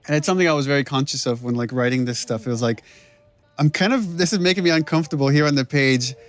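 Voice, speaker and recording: A man who wrote and directed a video game, giving a chatty, halting, self-deprecating commentary over its cutscenes. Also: mid-range voice, faint music behind. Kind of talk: developer commentary.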